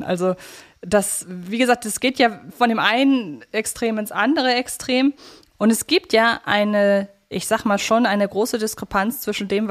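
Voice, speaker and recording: A woman co-hosting a casual fan podcast, talking in a chatty, reflective way. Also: medium pitch. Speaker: podcast co-host.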